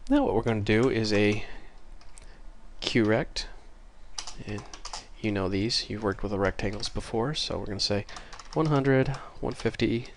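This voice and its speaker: Slight background noise accompanies a man recording his screen for a programming tutorial. His voice is fairly low and a little slow, a bit stuffy after a cold, and his tone is casual and apologetic as he keeps correcting himself.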